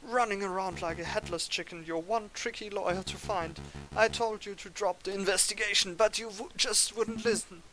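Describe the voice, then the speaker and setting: A man gives voice to a gloating bird killer in a story game. He taunts with threat in every line, set high, with loud music beneath. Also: fairly even intonation, moderate pace, rough recording. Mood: menacing. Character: menacing male bird assassin, gloating.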